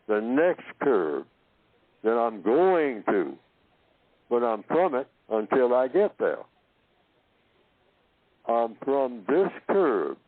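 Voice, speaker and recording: A man from Oklahoma giving a slow philosophical talk, asking himself questions and answering them, and repeating phrases to build his point. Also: mid-range voice, no echo. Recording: tinny phone-line audio.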